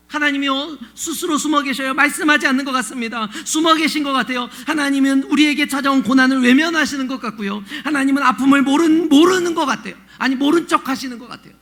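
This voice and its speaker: A male pastor preaching with a strikingly high, gravelly voice and a bright, forceful tone. He talks to the congregation conversationally, often asking them questions. He swings into emotive, pleading delivery when he acts out biblical cries. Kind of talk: sermon.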